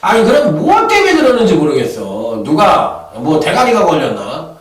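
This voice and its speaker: A man giving horse racing betting tips in a loud, profane manner, often acting out voices and chants. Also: high voice, huge pitch swings, moderate pace. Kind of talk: casual betting tip broadcast. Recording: echoey, from far off the mic.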